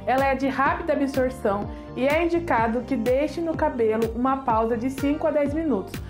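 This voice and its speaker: A woman's voice: high voice, fairly quick, music in the background. A woman in her thirties from Brazil, reviewing hair products to camera in a chatty, enthusiastic way with self-mocking jokes. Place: small home studio with decorated shelves.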